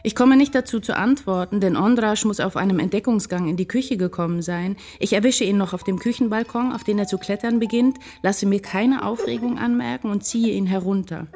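An actress playing an anxious, tender writer in love, narrating a literary radio drama in an intense, confessional way. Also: female voice, mid-range voice, brisk, few pauses, a little mellow, close to an everyday voice. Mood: agitated narrating. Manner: intense, confessional first-person storytelling. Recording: music behind the voice. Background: music.

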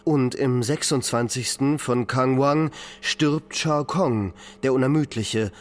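A man narrating an epic poem for a radio play in a measured, declamatory way. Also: mid-range voice, lightly acted. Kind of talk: solemn scripted recitation of epic poetry.

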